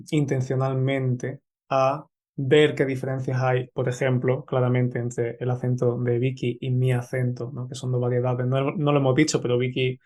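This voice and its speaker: A man's voice: medium pitch, a little mellow. Andalusian guy hosting a podcast, chatty, asks long rambly questions. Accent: Andalusian Spanish. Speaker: podcast host. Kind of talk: podcast interview.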